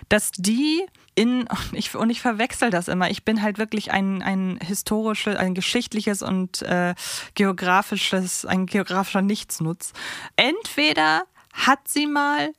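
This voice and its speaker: A woman's voice: mid-range voice, unhurried, a bit bright, no echo. Chatty woman podcaster, dry sound. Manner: chatty, rambling, self-deprecating. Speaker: podcast co-host. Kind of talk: casual chat.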